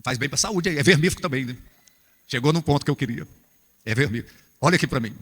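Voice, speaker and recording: A Brazilian man preaching a humorous, animated sermon to church workers, acting out little scenes as he goes. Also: medium pitch, fast, slightly rough, in a large hall. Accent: Brazilian Portuguese.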